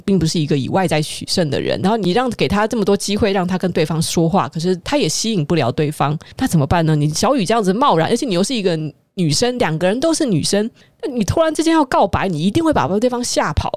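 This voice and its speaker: A woman hosting a podcast, recounting a personal memory in a conversational way, acting out the quoted lines with lively shifts and asking listeners rhetorical questions. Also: on the low side, no echo. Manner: animated, acts out quoted dialogue. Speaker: podcast host.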